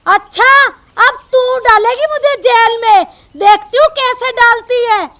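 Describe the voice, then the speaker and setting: A woman's voice: very high voice, unhurried, a bit bright. A woman playing a bossy mother-in-law who taunts and threatens in a comedy telefilm. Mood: scolding. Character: bossy scolding middle-aged mother-in-law.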